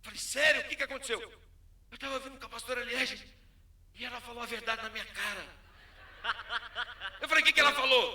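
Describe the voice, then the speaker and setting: A man's voice: extremely high pitch, reverberant. A man with a Brazilian Portuguese accent preaching a sermon as pastor, telling stories and acting out the dialogue. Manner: storytelling, animated, acts out dialogue.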